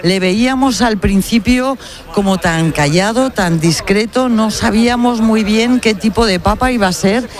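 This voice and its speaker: A woman anchoring live radio coverage, chatty and animated, with many restarts as she hands over to reporters. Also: mid-range voice, a little slow. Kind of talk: live broadcast commentary.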